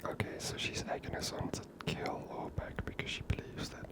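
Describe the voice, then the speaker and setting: A host giving soft, relaxed, whispered commentary over a video game, chatty and unhurried. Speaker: ASMR gaming channel host.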